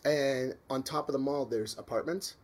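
A man's voice: mid-range voice, normal speed, a little mellow. A Canadian man telling stories in a casual podcast chat, rambling with plenty of "um" and "like". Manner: chatty, rambling with many fillers.

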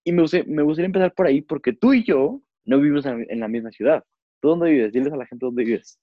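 A man's voice: on the high side, lively intonation, fast, no room sound. A young man with a Mexican accent hosts a casual podcast. He rambles along with plenty of fillers. The recording is dry and a little muffled. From Zacatecas, Mexico. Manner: chatty, rambling with many fillers. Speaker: podcast host. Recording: dull, lo-fi.

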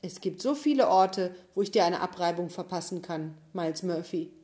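A woman's voice: fairly low pitch, expressive, moderate pace, dark tone, close to an everyday voice. Woman doing a smug bullying schoolboy. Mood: smug threatening. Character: boastful bullying schoolboy, threatening.

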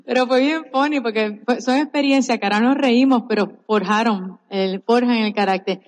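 A woman giving a personal testimony on stage at a business seminar, telling her story in a lively way with laughter. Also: a little high, moderate pace. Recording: echoey large hall.

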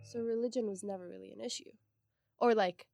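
Young woman, relaxed podcast guest. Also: medium pitch, a little fast, vocal fry, faint music behind. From Palestine. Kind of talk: casual podcast chat.

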